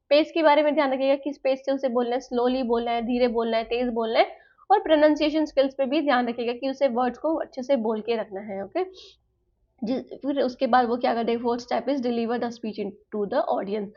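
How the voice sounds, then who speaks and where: A woman teaching a lesson to teacher-training students, explaining step by step in Hindi mixed with English terms. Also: high-pitched. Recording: slightly dull, lo-fi sound.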